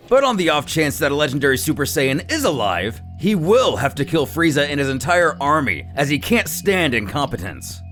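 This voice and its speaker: A man's voice: mid-range voice, a bit bright. A man narrating a dramatic story recap in a theatrical, suspenseful manner, with music playing behind him. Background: background music.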